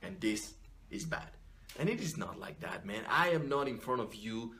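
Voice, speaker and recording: A man's voice: fairly low pitch, sing-song, moderate pace, bright, forceful tone. A man in his thirties, an image consultant, talking straight to camera in an unscripted, blunt and profane vlog, full of restarts and "you know". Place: small furnished room indoors.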